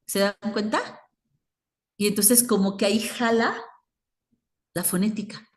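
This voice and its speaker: A woman with a Mexican Spanish accent leads an English grammar lesson. She talks at an unhurried, deliberate pace and moves between Spanish and English as she explains. Her pitch sits in a middle register. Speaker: English teacher.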